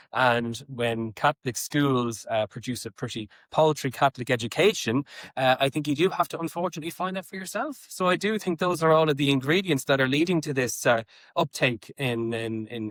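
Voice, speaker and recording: A man's voice: mid-range voice, fairly bright tone, no room sound. A young Irish man co-hosting a podcast, earnest and emphatic, stressing his opinions. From Ireland. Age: young adult. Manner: earnest, emphatic, repeats "I do think". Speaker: podcast co-host.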